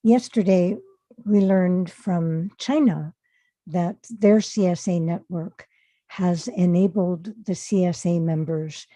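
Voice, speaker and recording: Husky, very mellow woman commenting. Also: fairly low pitch, dry recording. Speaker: panel participant giving a comment. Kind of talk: measured explanatory comment.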